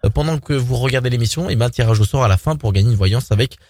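A man's voice: mid-range voice, fast talker, a little mellow, no echo. Hesitant male radio host, dry mic. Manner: hesitant, filler-heavy announcing. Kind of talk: radio phone-in hosting. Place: radio studio. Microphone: studio microphone.

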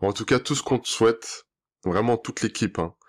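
Deep-voiced encouraging male coach. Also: normal speed. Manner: encouraging and affirming, many back-channel hums. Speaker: relationship coach and podcast host. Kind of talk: podcast interview and outro.

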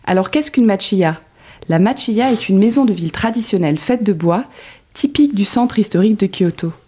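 A woman hosting a podcast, reading her introduction in a calm, measured way and then interviewing her guest. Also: medium pitch, husky. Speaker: podcast host. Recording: faint music behind.

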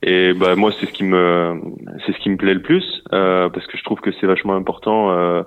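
A winery manager in his thirties from Normandy, France, speaks in a phone interview with a low, clean voice, level tone and moderate pace. He hesitates a lot, with many fillers and restarts, over a muffled telephone line.

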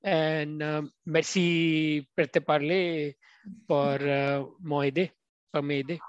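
A man's voice: on the high side, level tone, slow pace, clear, resonant tone, no echo. A man from India, a guest speaking hesitantly with many fillers over a video call. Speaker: guest, former language student. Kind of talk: casual interview. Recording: dull, dry call audio.

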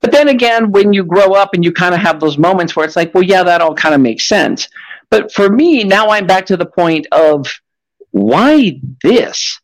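A man in his late forties hosting a casual podcast, talking in an animated, rambling way and swearing often. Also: sits high, moderate pace, no room sound, rough recording. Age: 40s. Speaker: podcast host.

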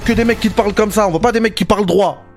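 A man's voice: sits high, rapid-fire, soft background music. Sarcastic man ranting about games. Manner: mock-outraged, ironic, familiar. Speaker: gaming video host. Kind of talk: sarcastic gaming rant.

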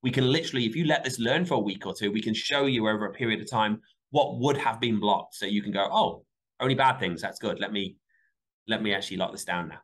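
A man with a Michigan accent, a company CEO answering interview questions in an animated way. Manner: animated, quick pitch jumps when stressing points. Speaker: CEO and guest.

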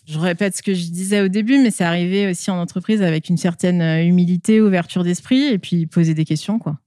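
A woman's voice: on the low side, fairly even intonation, warm tone, no echo, clean studio sound. Woman talking hesitantly through a face mask. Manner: hesitant, halting delivery with frequent filled pauses. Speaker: interview guest, school staff working with companies and alumni. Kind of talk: conversational interview answers.

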